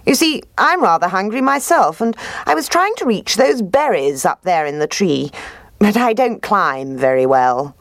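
A sly, smooth-talking male fox, put on by a woman narrator, pitched well above her own low voice. He coaxes in a genteel, flattering manner and sounds close and dry. The pitch swoops brightly from line to line. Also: normal speed, no room sound. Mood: coaxing. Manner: genteel, coaxing, says "old boy".

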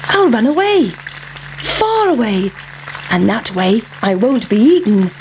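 A woman voicing a small, boastful runaway pancake in a high, taunting voice. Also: big pitch swings, measured pace, noisy background. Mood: worried.

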